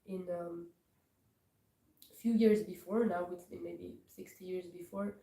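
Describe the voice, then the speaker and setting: A woman from Morocco gives a scripture class, pausing often and searching for her words. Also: lowish voice, fairly even intonation, creaky, dark tone. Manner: hesitant, searching for words with many pauses. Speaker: class speaker. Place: temple hall. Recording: echoey hall from far off, faint noise.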